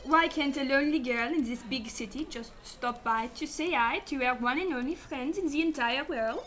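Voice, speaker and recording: An actress playing a sassy, sarcastic young detective's assistant in a sci-fi radio drama. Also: female voice, high-pitched, normal speed, a bit bright. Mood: teasing. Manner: sarcastic, teasing.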